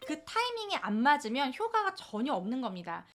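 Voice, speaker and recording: A woman's voice: sits high, huge pitch swings, a little fast, fairly bright tone. A woman parenting coach explaining step by step and acting out short quoted lines. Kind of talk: parenting advice talk to camera.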